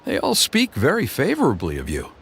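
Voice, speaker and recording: A silver-tongued tribal elder. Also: male voice, medium pitch, a little fast, creaky, slight background noise, full character voice. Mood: smooth. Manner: suave, flattering, persuasive. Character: smooth-talking, scheming male tribal elder. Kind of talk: game voice acting. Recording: game music behind.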